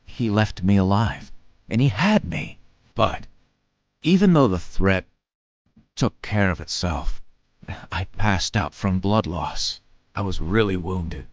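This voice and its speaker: An actor playing a weary, guarded war veteran in an audio drama, speaking haltingly with understatement. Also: male voice, deep voice, animated, no room sound, full character voice. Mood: grim, haunted.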